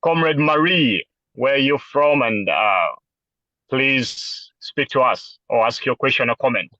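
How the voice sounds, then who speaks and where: A man chairs an online meeting over a video call, polite and formal as he calls on each speaker. His voice has a tense, bright edge. The call audio is slightly muffled and dry. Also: medium pitch, a little slow, no echo. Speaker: meeting moderator.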